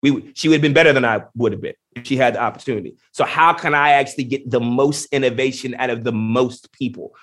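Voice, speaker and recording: Emphatic, animated man in conversation. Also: mid-range voice, quick pace, few pauses. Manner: emphatic and animated, many fillers like "you know" and "right". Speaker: guest. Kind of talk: conversational interview answers.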